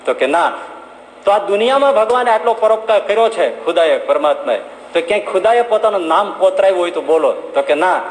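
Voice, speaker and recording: Man, devotional storyteller, emphatic, fairly high voice, echoing hall. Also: a little fast. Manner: lively, emphatic, addresses listeners directly. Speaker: religious storyteller. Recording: echoey hall with faint noise.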